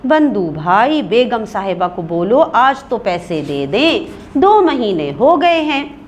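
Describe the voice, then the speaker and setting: A woman's voice: a little high, sing-song, takes it slowly, a little hiss or hum. A woman voicing a male milkman calling out at the door, reading a play aloud for a class. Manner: calling out loudly.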